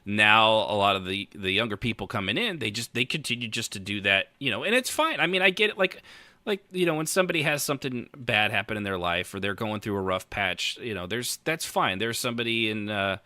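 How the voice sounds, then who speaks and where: Male podcast host, middle-aged. Sharp bright tone, lively intonation, loose rambling conversational delivery. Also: lowish voice, brisk, dry recording. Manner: rambling, self-interrupting, thinking aloud. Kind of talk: casual conversational podcast chat.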